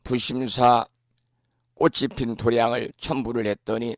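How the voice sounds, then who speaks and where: A man, a Buddhist monk, giving a morning talk on scripture in a hoarse voice from a lingering cold, speaking slowly and clearing his throat often. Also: mid-range voice, little pitch movement, no echo, studio quality. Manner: slow, measured teaching delivery. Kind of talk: dharma talk explaining scripture.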